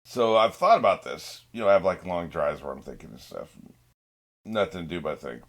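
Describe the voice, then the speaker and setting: Male reaction host, low register, informal and unscripted, thinks out loud, salty language. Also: very animated, brisk. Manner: informal, swearing, musing. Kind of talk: casual off-the-cuff reaction commentary.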